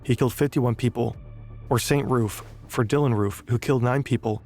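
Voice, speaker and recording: A man giving measured, scripted documentary narration. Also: medium pitch, darkish tone, soft background music.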